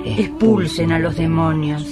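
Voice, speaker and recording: A woman's voice: low voice, measured pace. An actress playing an earnest, tender working-class woman with an Argentine accent in a radio play, speaking expressively. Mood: prayerful. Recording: music playing behind the voice.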